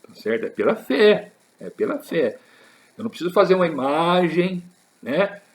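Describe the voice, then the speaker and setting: Emphatic preacher man, lively pitch. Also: moderate pace. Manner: preaching with rising, emphatic repetitions, addressing the listeners as brothers. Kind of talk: sermon.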